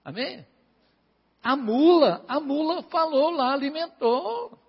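A man's voice: extremely high pitch, animated, slow, vocal fry. A man preaching an informal sermon to a congregation, chatting and calling on listeners by name. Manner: conversational, calls on listeners by name. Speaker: pastor. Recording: dull, reverberant hall recording.

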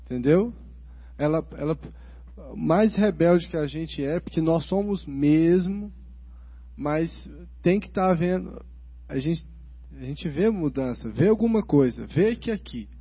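A man chatting casually about faith, telling stories with quick asides and restarts. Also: fairly high pitch, animated, breathy edge. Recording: dull lo-fi recording.

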